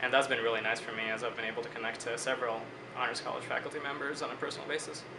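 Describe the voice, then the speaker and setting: A man in his twenties from Bangladesh, a student answering interview questions in a measured, reflective way. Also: medium pitch, flat delivery, reverberant, background noise. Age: 20s.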